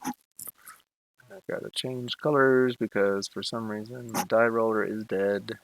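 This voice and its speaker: A man's voice: on the low side, steady tone, takes it slowly, background noise. A man narrating a tabletop game as game master, in a casual, laughing, self-deprecating way.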